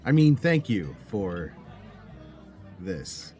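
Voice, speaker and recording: An actor playing a dry, slightly awkward police sergeant in an audio drama. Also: male voice, fairly low pitch, very animated, extremely slow, darkish tone, soft background music, full character voice. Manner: dry, hesitant.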